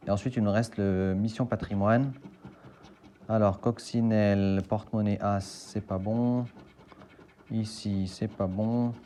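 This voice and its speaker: A man's voice: fairly low pitch, steady tone, unhurried, mellow, slight background noise. A man casually thinking aloud and spelling out letters as he scratches lottery tickets for a video.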